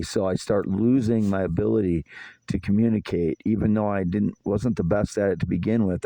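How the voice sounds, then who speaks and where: A man's voice: lowish voice, gravelly, mellow, no echo. A man in his fifties delivering a rambling, aggrieved solo monologue outdoors in a yard at night. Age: 50s. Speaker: vlogger.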